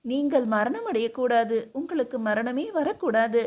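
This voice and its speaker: A woman's voice: a little high, lively intonation, unhurried, darkish tone. A woman voicing a humble, devoted queen who speaks earnestly and pleadingly, in an audiobook reading. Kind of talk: audiobook character voice.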